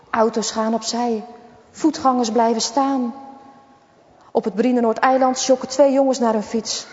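Woman reading a children's story expressively. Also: a little high. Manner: expressive, lively dramatic reading. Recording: dull, echoey recording.

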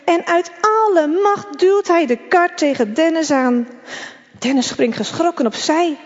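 A woman reading a children's story aloud in a measured, expressive way, in a reverberant, dull lo-fi recording. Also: very high voice.

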